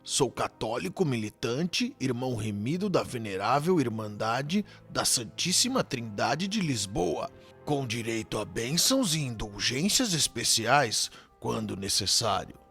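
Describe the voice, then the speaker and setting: A man's voice: medium pitch, sing-song, a little slow, creaky, a bit bright, exaggerated voice. An actor playing an impatient, pretentious, devout man in an audio drama, with formal, declamatory speech. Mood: proud, insistent. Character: impatient, pretentious dead Portuguese man, devout and self-pitying. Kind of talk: scripted audio drama acting. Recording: music behind. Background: music.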